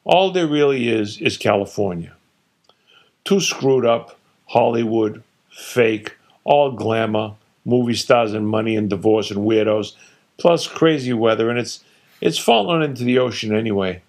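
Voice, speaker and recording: A man's voice: fairly low pitch, a little mellow. A man voicing his opinionated older father, who rattles off dismissive, blustering put-downs. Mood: scornful. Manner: blustering, dismissive, rattling off rapid-fire insults. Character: opinionated older father boasting about his home state.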